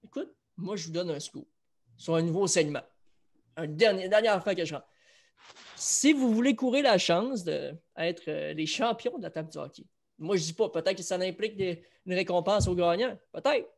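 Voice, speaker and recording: A man's voice: sits high, normal speed. A man with a Quebec French accent hosts a casual sports chat show. He talks loosely and keeps things moving as he runs a trivia quiz for viewers. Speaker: host.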